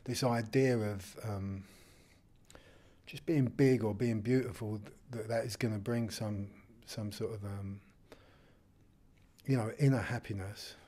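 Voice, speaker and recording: A man's voice: lowish voice, steady tone, measured pace, dark tone. A man answering thoughtfully with frequent ums as a guest in a festival press-room interview, speaking into a handheld mic. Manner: thoughtful, hesitant with many ums. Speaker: actor being interviewed. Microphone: handheld mic held by interviewer.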